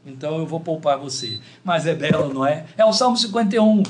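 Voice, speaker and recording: A man's voice: on the high side, expressive, fast. A Brazilian man preaching a sermon with a slightly cracked voice, emotional and chatty, with asides to the congregation. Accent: Brazilian Portuguese. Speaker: pastor.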